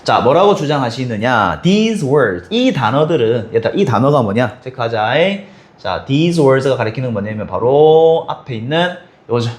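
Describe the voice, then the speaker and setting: Lively, questioning male English teacher. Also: mid-range voice. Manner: explains step by step, asks students quick questions; switches between plain and exaggerated voices for example lines. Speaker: English teacher at a cram school. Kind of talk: textbook explanation lesson for high schoolers.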